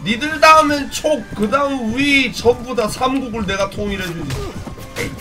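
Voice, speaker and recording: A man streaming gameplay live, commenting excitedly and yelling trash talk at enemies in the game. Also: extremely high pitch, moderate pace, music in the background.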